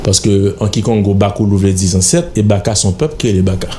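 A man's voice: fairly low pitch, fast talker, mellow, a little hiss or hum. A middle-aged man with a Haitian accent, a guest in a radio studio interview, speaking in an emphatic, lecturing, insistent way into a studio microphone. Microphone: studio mic on stand.

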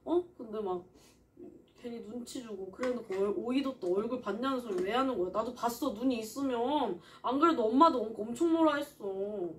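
A woman complains on a live stream, sulky and on the edge of crying. Her voice sits a little high. She is slightly distant from the mic. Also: fairly quick. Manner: sulky, complaining, voice breaking into tears. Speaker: streamer co-host. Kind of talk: casual chat on a live stream.

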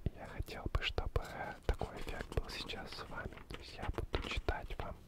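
A man in his thirties from Ukraine whispers softly and breathily, calm, unhurried and lulling, very close to the microphone as he reads and chats as an ASMR host. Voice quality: soft, breathy, indistinct whisper. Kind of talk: whispered ASMR book reading and chat. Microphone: two foam-covered microphones, very close.

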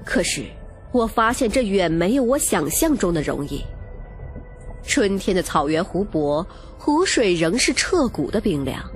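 A woman's voice: medium pitch, very animated, a little slow. A woman reading a romance novel as dramatic, scripted first-person narration. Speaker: audiobook narrator. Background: music.

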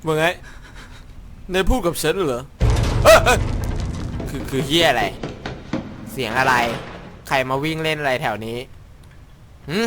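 This gaming YouTuber is a young man whose voice sits on the high side, and he talks unhurriedly with long pauses against a noisy background. Commentating a horror game in Thai, he mutters to himself, cracks crude jokes and rambles. His mock bravery breaks into yelps when he gets startled.

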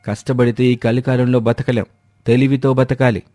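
A man playing a mellow, scheming fake swami. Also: medium pitch, little pitch movement, moderate pace, no room sound, lightly acted. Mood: scheming, boastful. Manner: grandiose, preachy, persuasive. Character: scheming idler husband posing as a pompous holy swami. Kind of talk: acted Telugu moral story dialogue. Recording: music behind a dry voice.

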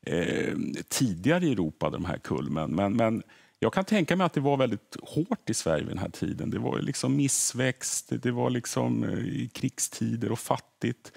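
A man's voice: mid-range voice, big pitch swings, vocal fry, darkish tone, husky. A middle-aged man, a history podcaster, explaining earnestly in a TV studio interview and often repeating words as he thinks. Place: TV morning show studio.

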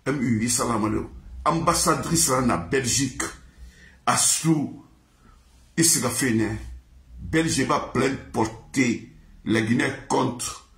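A man's voice: medium pitch, slow pace, long pauses, a bit bright. A man singing in a repetitive, chanted, sing-song way. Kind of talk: chanted song in mixed languages. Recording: echoey room.

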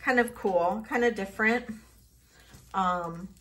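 A middle-aged woman casually showing off vintage jewelry finds, thinking aloud and trailing into soft mutters as she tests stones. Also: medium pitch, slow. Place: home office at a table.

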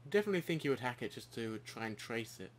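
A man's voice: medium pitch, very animated, quick pace, slight background noise. A young man hosting a let's play, making casual, jokey muttered asides as he plays. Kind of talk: casual gameplay commentary. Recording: game audio and music behind. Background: game music and dialogue.

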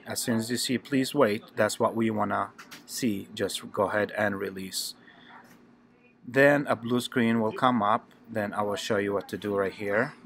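A man's voice: fairly low pitch, gravelly, fairly bright tone. A man hosting a tech tutorial channel, talking through each step plainly and repeating his instructions.

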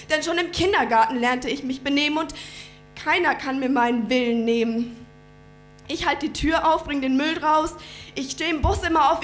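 A woman's voice: high voice, fairly bright tone. A young woman performing a rhymed slam poem on a small indoor stage at a stand mic, earnest and rhythmic, sometimes sinking to a near-whisper. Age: young adult. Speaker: slam poet. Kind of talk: rhymed spoken-word performance.

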